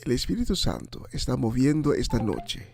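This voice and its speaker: A man hosting Christian radio, preaching informally and giving greetings in a halting, emphatic way, repeating himself. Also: medium pitch, sing-song, gravelly, a little mellow, soft background music.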